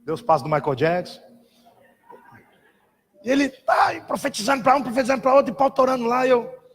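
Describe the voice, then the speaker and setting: A man preaching a sermon as a pastor, telling a story in an animated, dramatic way and mimicking other voices. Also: very high voice, fairly quick, breathy edge. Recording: reverberant hall.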